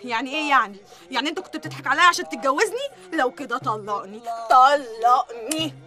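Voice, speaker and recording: Shrill indignant young wife. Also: female voice, lively intonation, fast, sharp tone, faint music behind. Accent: Egyptian. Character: upset young wife in a comedy film.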